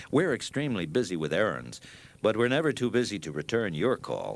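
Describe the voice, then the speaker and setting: On a very clean recording with a silent background, a man with a fairly low pitch and vocal fry swings very widely in pitch. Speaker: voice actor. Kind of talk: answering machine greeting read.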